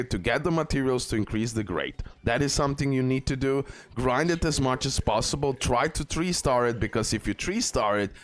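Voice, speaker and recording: A man who speaks English as a second language gives a casual, instructive mobile game tutorial, repeating and stressing his key tips. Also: lowish voice. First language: not English. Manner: instructive, repetitive, emphatic about key tips. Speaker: gaming video creator and guide.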